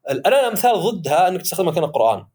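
A man chatting as podcast host, animated and acting out the voices he quotes. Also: high voice, very fast, husky. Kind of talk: casual podcast discussion.

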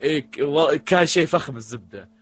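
Male podcast co-host, quick and rambling, somewhat high-pitched. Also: no echo. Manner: rambling, with frequent restarts. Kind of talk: casual podcast chat.

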